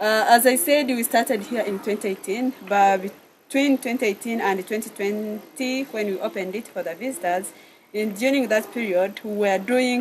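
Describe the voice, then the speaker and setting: There is light background noise. A woman speaks at a moderate pace with ordinary pitch variation. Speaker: sanctuary guide. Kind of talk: interview answer. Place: open country.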